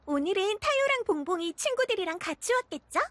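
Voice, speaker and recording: Young magician's assistant: sweet, polite, squeaky-high, animated, childlike, for kids' animation. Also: female voice, fairly quick, very noisy. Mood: cheerful, eager. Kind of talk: children's cartoon voice acting. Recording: loud children's music behind.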